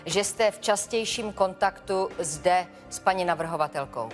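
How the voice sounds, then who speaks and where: A sharp defense attorney, as a woman plays her, pressing the witness with pointed questions. The courtroom gives a long reverb, with faint music under it. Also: lowish voice, natural voice. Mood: probing. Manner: pointed, probing cross-examination. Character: sharp female defense attorney cross-examining. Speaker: lawyer for the respondent. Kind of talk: scripted courtroom TV show.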